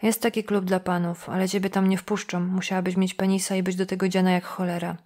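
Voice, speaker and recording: A woman's voice: on the low side, flat delivery, quick pace, a little mellow, natural voice. Woman reading as a crude, sneering street-smart woman. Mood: mocking. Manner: coarse, sneering, blunt. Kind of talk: audiobook dialogue.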